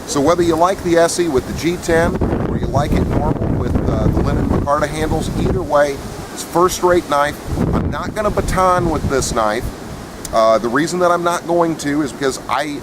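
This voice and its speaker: A man giving a casual, unscripted product review in a plainspoken, opinionated way, recorded outdoors. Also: fairly high pitch. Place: outdoors in wind. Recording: windy outdoor recording with clear noise.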